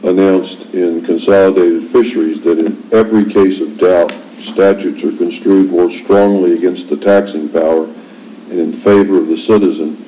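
An American male judge puts formal questions in a deep, soft-edged voice. The phrasing is measured and legalistic, and the courtroom recording is slightly dull. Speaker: appellate judge. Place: indoor courtroom.

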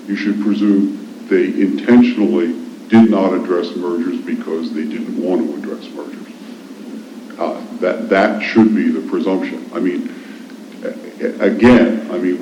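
An American man delivers oral argument in a reverberant, somewhat muffled courtroom recording. His voice is fairly low, and he presses his case insistently, restating key points. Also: mellow. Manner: insistent, repeats points for emphasis. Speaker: lawyer arguing an appeal. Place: indoor courtroom. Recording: echoey, muffled courtroom recording, faint noise.

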